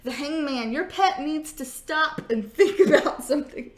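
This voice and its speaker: A woman's voice: high-pitched, animated, measured pace. A woman giving a casual tarot reading on video, sassy and joking, often laughing. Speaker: tarot reader. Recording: roomy echo.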